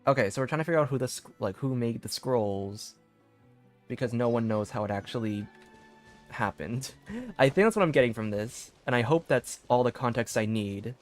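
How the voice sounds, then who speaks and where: A man's voice: mid-range voice, expressive, normal speed. A man casually commentating on a live game stream and reading bits of on-screen text aloud. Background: game music.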